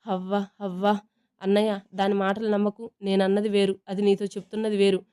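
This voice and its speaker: A woman's voice: mid-range voice, level tone, a little fast, warm tone, clean tone, natural voice. Cheeky young man, as a female narrator voices him. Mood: protesting. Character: cheeky joking young man, playful brother.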